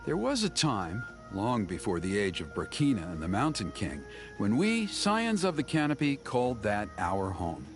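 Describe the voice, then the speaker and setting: Brief: a patient, earnest tribal elder-guide with a lively delivery; game mix with music. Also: male voice, lowish voice, normal speed, hardly any pauses. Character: tribal man, earnest mentor and guide of rituals.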